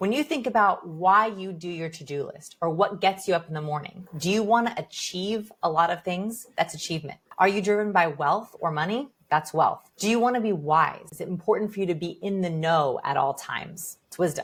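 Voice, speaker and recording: A woman of medium pitch talks at a fairly quick pace with hardly any pauses. Her voice is somewhat breathy. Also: ordinary pitch variation. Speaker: self-help YouTuber. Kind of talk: tutorial.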